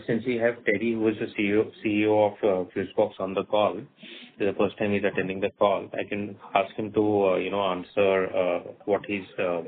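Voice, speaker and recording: A man, a company executive, giving unscripted explanations on a corporate conference call. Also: on the low side. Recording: narrowband phone-call audio.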